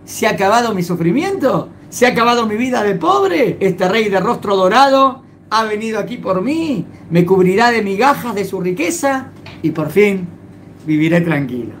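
A woman's voice: medium pitch, big pitch swings, normal speed, a little hiss or hum, lightly acted. A woman doing a poor, eager beggar man. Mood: hopeful. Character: poor male beggar, hopeful then self-reproaching.

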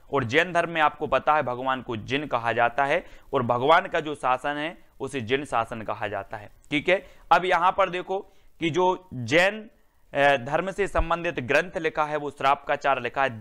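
A man teaching an exam-prep class, asking questions and answering them himself, and reciting verse slowly. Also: medium pitch, fairly bright tone.

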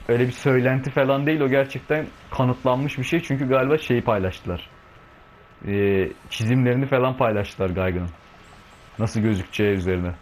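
A man's voice: mid-range voice, a little mellow, slight background noise. A young man giving casual let's-play commentary at home, slangy and bantering with the game's monsters and his cat. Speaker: gaming video host.

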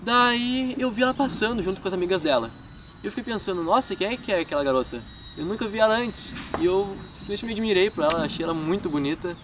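A young man with a southern Brazilian gaúcho accent rambles casually through fan questions, his voice sitting high for a guy. He is picked up from a few feet away by a camera mic outdoors, with clear wind and traffic noise around him. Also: animated, fast, recorded from a distance. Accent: southern Brazilian gaúcho Portuguese. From Rio Grande do Sul, Brazil. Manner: chatty, lots of filler tags, laughs at himself. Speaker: gaming YouTuber. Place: outdoors in a wooded park.

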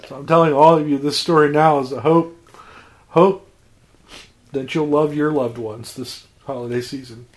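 A man hosting a podcast, telling a comic story in a halting, deadpan, profane way. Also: a little high. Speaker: podcast host.

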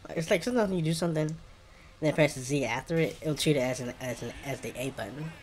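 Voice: medium pitch, quick pace. A streamer with an African American English accent, giving casual, slangy live game commentary and muttering reactions to the play. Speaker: gaming streamer. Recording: clear background noise with keyboard clicking.

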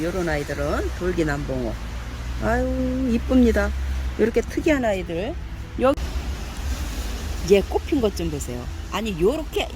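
A plant seller walks a camera through her shop, chatting casually as she shows her plants. She speaks of each one fondly, as if it were a little child. Faint traffic and ambient noise sit quietly behind her voice. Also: medium pitch. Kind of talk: casual product showcase.

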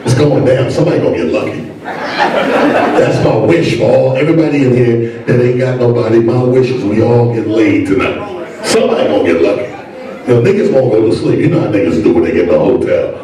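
A man hosting a stand-up comedy show in a hotel ballroom, joking loudly and profanely with the audience on a handheld mic. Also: medium pitch, expressive, fairly quick. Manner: loud, profane, laughing banter with the crowd. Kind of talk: stand-up crowd work. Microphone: handheld mic, filmed from far back. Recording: echoey ballroom, distant camera, loud crowd. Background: loud music and laughing crowd.

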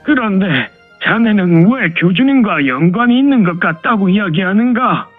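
A man's voice: high-pitched, animated, normal speed. A man playing a dignified, white-haired senior elder of a demonic cult in a Korean martial-arts audio drama, speaking with old-fashioned authority. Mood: grave, measured. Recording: phone-like thin sound, music behind.

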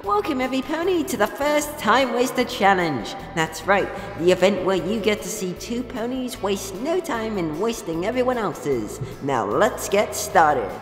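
An earnest little cartoon dragon boy acted by a woman with a showy announcer's patter. The pitch jumps around eagerly, and light music plays underneath. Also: sing-song, a little slow, few pauses. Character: young male baby dragon, earnest, chirpy event announcer. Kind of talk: cartoon parody dub. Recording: music behind.

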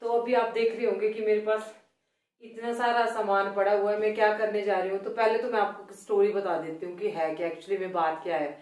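A middle-aged cooking vlogger from Himachal Pradesh, India, with a Himachali Hindi accent, chats loudly and grumbles a bit as she cooks in her home kitchen. Her average-pitched voice is brisk, with little pitch movement. It's picked up by a phone set some distance away, giving roomy, echoey audio.

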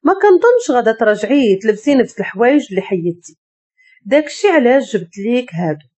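An arrogant, domineering young husband with a Moroccan accent, cold and commanding, as a woman storyteller puts him on. The voice stays husky and mellow, with a lively rise and fall. It is an audio story. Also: a little high, quick pace. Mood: mocking.

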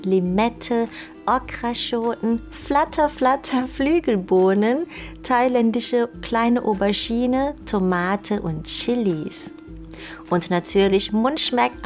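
Young woman doing chatty recipe voiceover, slow pace, enthusiastic, music under it. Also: medium pitch, darkish tone. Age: young adult. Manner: playful, enthusiastic. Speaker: cooking vlog host. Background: music behind the voice.

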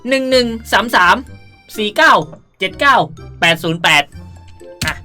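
A woman presents a game tutorial in a casual, chatty way. Her voice is bright and her pitch moves in lively swings. She comes across as playful and polite, with music playing behind her. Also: normal speed. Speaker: gaming video host.

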